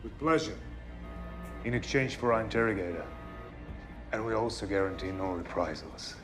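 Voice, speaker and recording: A man's voice: fairly low pitch, normal speed, lightly acted. An actor playing a cold, ruthless male hijacker leader who gives curt orders in a film. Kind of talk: film acting. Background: music score.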